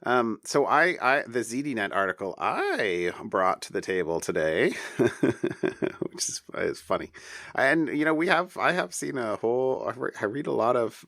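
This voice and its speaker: Deep voiced guy on a tech podcast, thinks out loud kinda haltingly, really dry close sound. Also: vocal fry, no echo. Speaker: podcast co-host. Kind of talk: casual tech news discussion.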